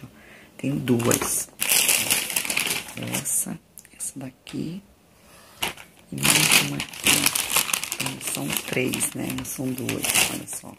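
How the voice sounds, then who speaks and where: A woman's voice: very deep voice, vocal fry. A middle-aged woman with a Brazilian accent chatting casually to her viewers in a rambling way, recorded on a phone at home. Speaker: vlogger. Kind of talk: casual chat to camera. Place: small rooms at home, indoors. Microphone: phone at arm's length. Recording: noisy handheld home recording.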